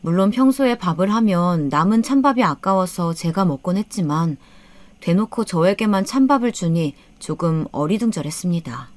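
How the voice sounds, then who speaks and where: Woman narrator, low pitch, dry recording, subdued first-person storytelling. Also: darkish tone, dry recording. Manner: subdued, rueful, telling it as an aggrieved older mother.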